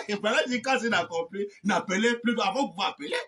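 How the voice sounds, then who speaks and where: Man, preacher, shouting sermon, bright tense voice, distant mic. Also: high voice, animated, a little fast. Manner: shouting, repetitive, laughing outbursts. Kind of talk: fiery sermon.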